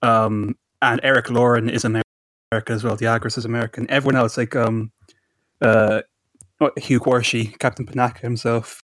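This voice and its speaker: A man's voice: mid-range voice, level tone, normal speed, fairly bright tone, dry recording. A man co-hosting a podcast in casual chat, adding background facts and trivia with plenty of ums. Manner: informative, offers trivia with fillers. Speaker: podcast co-host.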